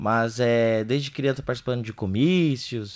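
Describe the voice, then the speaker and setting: Intonation stays fairly even. The background is quiet. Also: man. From Brazil, Foz do Iguaçu (Paraná); Paraná, Brazil. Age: 20s. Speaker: political candidate; candidate. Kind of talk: radio interview. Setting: radio studio. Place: studio. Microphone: studio mic.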